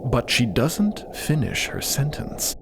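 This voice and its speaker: A man delivering deliberate, dramatic, descriptive narration for a scripted fiction podcast. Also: medium pitch, sing-song, very noisy.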